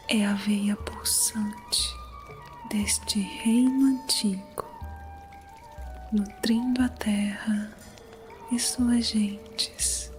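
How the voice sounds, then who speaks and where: A woman narrating an ASMR guided meditation in a soothing, unhurried manner. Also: fairly high pitch, darkish tone. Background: music.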